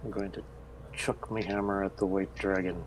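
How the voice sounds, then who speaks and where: A man's voice: low-pitched, little pitch movement, normal speed, low-quality recording. A man playing a tabletop role-playing game, bantering casually and calling out his moves. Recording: faint background noise.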